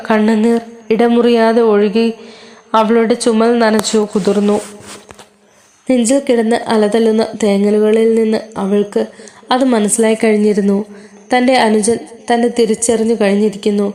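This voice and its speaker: A woman reading a serialized story aloud, steady and even, with small slips and restarts along the way. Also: a little high.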